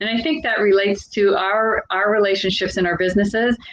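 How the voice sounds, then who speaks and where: Noticeable background noise sits behind a woman who speaks at a very fast pace with fairly even intonation. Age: 70s. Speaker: former kindergarten teacher, mayor, business owner. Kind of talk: motivational talk at online event. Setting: online livestream.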